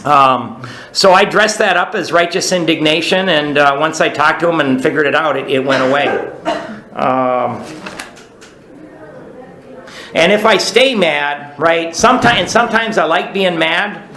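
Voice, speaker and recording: A man's voice: a little high, moderate pace, sharp tone, reverberant, low-quality recording. A man talking casually about his recovery, rambling with many restarts and asking "right?" to check in with his listeners. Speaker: recovery speaker. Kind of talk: recovery talk.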